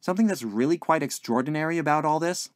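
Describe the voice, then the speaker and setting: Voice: mid-range voice, fast, no echo, studio quality, pitched above the performer's own voice, natural voice. A narrator voicing a polite, earnest young man in a story, hesitant and puzzled as he searches for his words. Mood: hesitant, searching. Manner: hesitant, searching, well-mannered.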